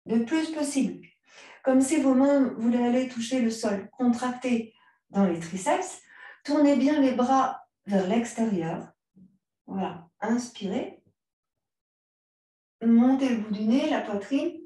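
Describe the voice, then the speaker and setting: A woman guiding a yoga class, giving calm, unhurried cues timed to the breath. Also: fairly high pitch. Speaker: yoga teacher. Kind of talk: guided yoga class instruction. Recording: very echoey room, mic far off.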